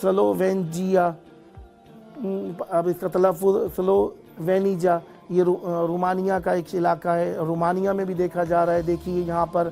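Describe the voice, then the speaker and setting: A man's voice: high voice, little pitch movement, creaky, hardly any pauses, a little mellow, soft background music. A man hosting a live TV call-in show, thanking callers with blessings and explaining things on air, stumbling now and then over foreign place names. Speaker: TV call-in host.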